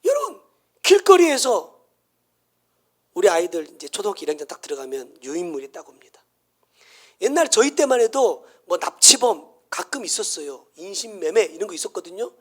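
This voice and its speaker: A middle-aged man with a Jeolla Korean accent, preaching a sermon as pastor, dropping to hushed whispers and rising to shouts. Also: high voice, sing-song, fairly quick.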